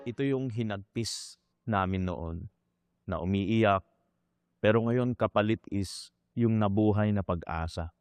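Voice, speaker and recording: A man's voice: lowish voice, unhurried, long pauses, darkish tone, no room sound. A man with a Filipino accent giving an earnest, reflective personal testimony of faith. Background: guitar music.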